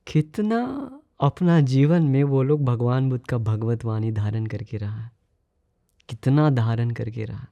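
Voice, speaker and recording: A man's voice: medium pitch, unhurried, vocal fry, no room sound, muffled recording. A man, a Buddhist monk, telling a story in a sermon and often putting rhetorical questions to his listeners.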